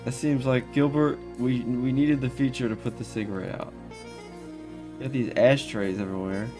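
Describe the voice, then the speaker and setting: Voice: mid-range voice, steady tone, normal speed, music in the background. Sarcastic, profane let's play host. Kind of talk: casual gameplay commentary.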